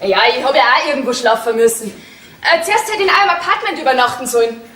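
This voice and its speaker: A woman's voice: high voice, lively intonation, fast, fairly bright tone. A young woman with a Bavarian accent playing a pert, self-assured geriatric nurse in a folk theatre comedy. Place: theatre stage before an audience. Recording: echoey stage with faint noise.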